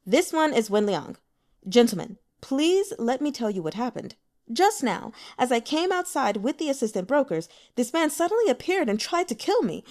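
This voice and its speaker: Woman voicing indignant, high-pitched male broker. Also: big pitch swings, moderate pace, darkish tone. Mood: pleading defense. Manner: protesting, formal, stammers when flustered. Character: self-justifying male head broker, polite but indignant.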